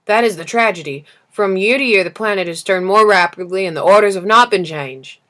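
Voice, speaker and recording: A woman portrays a weary storybook lamplighter who lives by his orders. He complains emphatically in clipped phrases, loud and exasperated. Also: mid-range voice, a little fast, close to an everyday voice. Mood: aggrieved. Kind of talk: storybook character reading.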